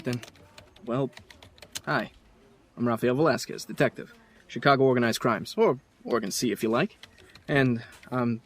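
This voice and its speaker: An actor playing an easygoing, apologetic police detective in an audio drama, rambling casually. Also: male voice, medium pitch, natural voice. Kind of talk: full-cast audio drama acting.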